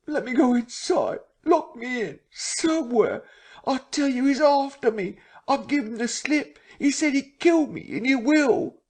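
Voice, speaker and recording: A man's voice: very high voice, animated, unhurried, breathy edge, voice pushed up, heavily acted. A man voicing a weeping, terrified male tramp who shrieks and pleads in panic.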